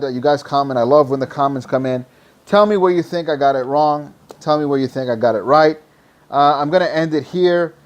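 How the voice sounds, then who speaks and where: A hoarse, tired man hosting a podcast, rambling loosely through fantasy football picks and swearing freely. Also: medium pitch. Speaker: podcast host. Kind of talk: casual fantasy football talk.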